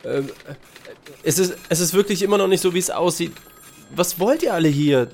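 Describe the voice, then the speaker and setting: A man's voice: high-pitched, moderate pace, darkish tone, slight background noise. A man playing an evasive, nervous art thief in a comedic audio drama, stammering excuses. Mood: flustered.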